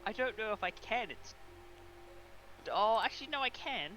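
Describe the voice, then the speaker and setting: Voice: medium pitch, expressive, normal speed, sharp tone, soft background music. A man talking casually as a player in a tabletop roleplaying game, on a dull lo-fi mic.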